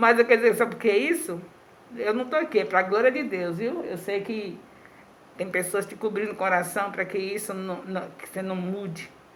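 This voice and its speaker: Over noticeable background noise and audible room echo, a woman speaks at a moderate pace. Her pitch is medium, and her loudness swings widely. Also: ordinary pitch variation. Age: 70s. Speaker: pastor. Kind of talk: sermon. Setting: live stream.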